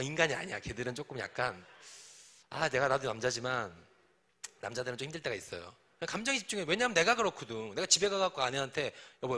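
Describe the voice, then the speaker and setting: A man's voice: a little high, sharp tone. A middle-aged man preaching to young adults in a conversational, teasing way, acting out bits of everyday dialogue. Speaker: pastor.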